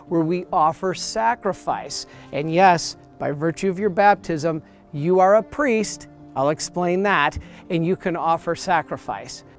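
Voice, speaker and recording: A man in his forties, a priest, preaching earnestly to the camera outdoors on church steps, emphatic and steady, with soft music underneath. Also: on the high side. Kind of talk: promotional sermon to camera.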